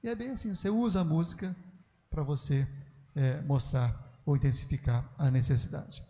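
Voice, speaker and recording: A man's voice: on the high side, moderate pace, mellow, in a large hall. An older man with a Brazilian Portuguese accent, a pastor teaching a church class in a conversational, folksy way full of asides.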